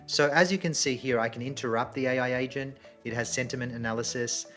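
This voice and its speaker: A product demonstrator talking through a demo plainly. The pitch sits in the middle. Loud music plays behind the voice. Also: steady tone, fast. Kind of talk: scripted demo.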